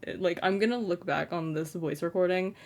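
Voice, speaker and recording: Late at night in his bedroom, a young trans man who creates content rambles self-consciously in a casual vlog, filling it with "like." His voice sounds feminine, high-pitched and fairly flat, and he talks a little fast.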